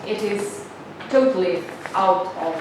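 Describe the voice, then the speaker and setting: Slow-spoken woman lecturing in an echoey room. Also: medium pitch, expressive. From northern Slovenia. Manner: unhurried, many filler sounds, inviting. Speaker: guest lecturer. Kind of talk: seminar lecture with questions to the audience. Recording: very echoey room, mic far off, noisy.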